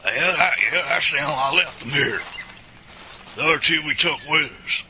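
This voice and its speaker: A man's voice: on the high side, moderate pace, natural voice. Man playing a grumbling Southern backwoods hillbilly, noisy recording. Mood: disgruntled, exasperated. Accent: rural Southern US. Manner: folksy, grumbling. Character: disgruntled, gun-loving male backwoods hillbilly, crude and hot-tempered. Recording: loud noise, outdoor bird sounds.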